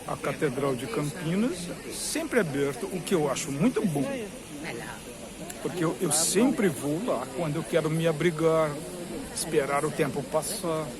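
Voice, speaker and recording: A Brazilian man with a slightly high voice talks informally and digressively, as if vlogging from a queue. He explains things at length and repeats points for emphasis. A busy crowd is clearly heard around him. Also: expressive, unhurried. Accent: Brazilian Portuguese. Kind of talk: rambling informal commentary to camera. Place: among a crowd in a queue outside a cathedral. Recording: busy crowd noise with hiss. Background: crowd chatter.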